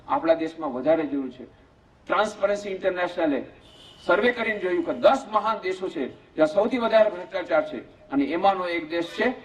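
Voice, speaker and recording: A man, a monk who heads an ashram, giving an animated storytelling sermon in a community hall. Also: high voice. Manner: animated, acts out story voices. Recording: muffled lo-fi lecture recording.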